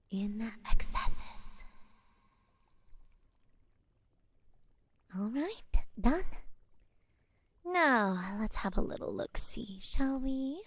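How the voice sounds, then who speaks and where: A woman playing a wry, curious forest witch in a soft-spoken ASMR fantasy roleplay, musing and gently teasing in a breathy half-whisper. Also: mid-range voice, dry recording, heavily acted. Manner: unhurried, hushed, musing, politely teasing. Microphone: close-up ASMR microphone.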